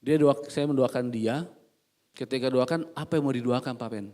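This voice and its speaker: A male pastor preaching a sermon in a church service, humorous and animated, quizzing the congregation and swinging from quiet asides to loud emphatic bursts. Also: mid-range voice, normal speed.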